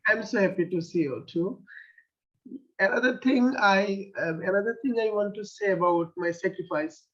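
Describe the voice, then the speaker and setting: A man with a Bangladeshi accent, a poet whose first language is Bengali, answers interview questions in a halting way. He pauses often and restarts his sentences. The recording sounds dull and lo-fi. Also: sits high, a bit bright. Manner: hesitant, many fillers and restarts.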